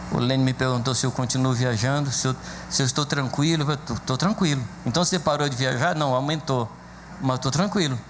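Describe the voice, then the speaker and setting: With noticeable background noise and audible room echo, a man talks at a fairly quick pace and medium pitch, using ordinary pitch variation. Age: 60s. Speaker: pastor. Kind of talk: sermon.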